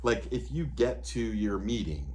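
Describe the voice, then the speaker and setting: A man in his fifties, a disability advocate, explaining plans and supports in a relaxed interview, with frequent "you know" asides. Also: on the low side, unhurried, slight background noise. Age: 50s. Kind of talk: conversational interview advice.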